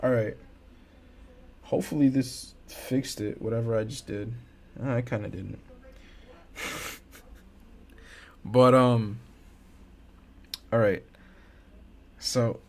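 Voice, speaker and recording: A young man talks his way through a casual reaction stream in an unhurried drawl. He leans on slang, restarts his sentences and throws in excited asides. His voice sits at an ordinary middle pitch. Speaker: host.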